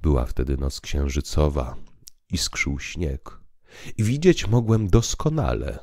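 Very deep, solemn priest played by a man. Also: big pitch swings, creaky, a little mellow, dry recording, clean studio sound, heavily acted. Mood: grave, mysterious. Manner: solemn, deliberate, oratorical. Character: calm, grave priest telling visionary tales. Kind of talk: dramatized literary audiobook reading.

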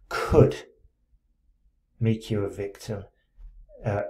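In a low-quality recording, a man with a fairly low, dark voice tutors English writing in an essay correction screencast. He reads a student's letter aloud, breaking off to comment and fix errors, checking in often and offering encouragement.

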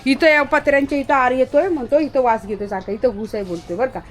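A woman's voice: sits high, fast. A woman vlogging at night outdoors on a handheld phone, chatting to viewers and scolding and calling out to her dog. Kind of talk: casual vlog narration to viewers.

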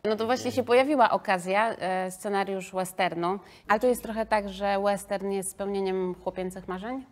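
A woman in her thirties conducts a casual interview. Her voice sits at a medium pitch as she frames her questions conversationally. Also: moderate pace. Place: large brick-walled loft room, indoors.

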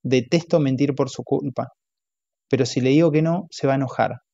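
A man's voice: mid-range voice, moderate pace, warm tone, no room sound, natural voice. A man voicing a hurt, angry wife with a clipped, martyr-like manner, in a dull, dry audiobook recording. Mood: reluctant.

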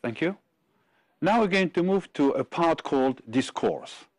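Male teacher, deliberate word-by-word delivery, animated intonation, dry booth. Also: on the high side, no echo. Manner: measured, reads word lists distinctly. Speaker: English teacher. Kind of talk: slow clear classroom instruction.

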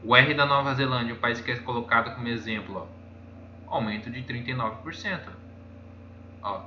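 A YouTuber with a Brazilian Portuguese accent casually walks through charts on a screen share, rambling and pointing things out again and again. He speaks briskly in a mid-range, sharp voice, and the recording is echoey, dull, lo-fi, and faintly noisy.

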